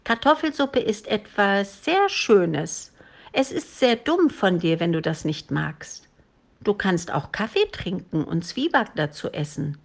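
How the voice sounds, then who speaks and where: A woman voicing a brave, chatty little girl who scolds a dragon in a high, eager voice, slow and careful in a storybook reading. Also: sing-song, vocal fry, full character voice.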